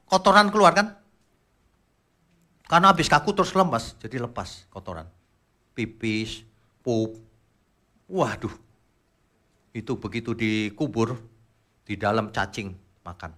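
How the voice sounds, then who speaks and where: Animated male preacher, bright voice. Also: mid-range voice. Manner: animated, rhetorical questions, colloquial asides. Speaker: pastor. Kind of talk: sermon. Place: church.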